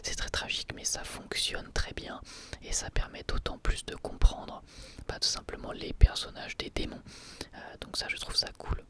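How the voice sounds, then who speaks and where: An ASMR creator whispering an episode review, hesitant and full of fillers and restarts. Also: moderate pace. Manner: soft, breathy whisper throughout.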